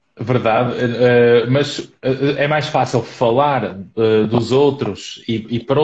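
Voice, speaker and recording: Fairly even intonation in a voice that's somewhat breathy. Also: man. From Portugal. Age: 40s. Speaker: psychologist, live show host. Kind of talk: live stream conversation.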